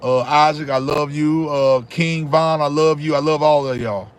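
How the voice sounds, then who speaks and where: A man's voice: on the high side, steady tone, normal speed, clean tone. A man, chatting casually with viewers on a livestream and repeating himself often. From Charlotte, North Carolina. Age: 30s. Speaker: livestream host. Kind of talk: casual live chat reading comments.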